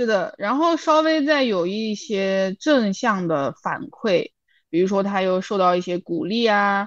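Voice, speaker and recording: Against a quiet background, a woman talks fairly slowly as her pitch swings very widely. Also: medium pitch for a woman. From Gansu, northwest China. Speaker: PhD student and author. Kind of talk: interview conversation.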